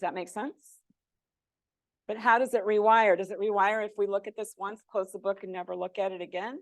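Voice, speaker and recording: In an ordinary speaking voice, a woman at medium pitch talks fairly quickly with fairly even intonation and big swings in loudness, the sound dry and close with no echo. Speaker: therapy trainer. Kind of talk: training workshop.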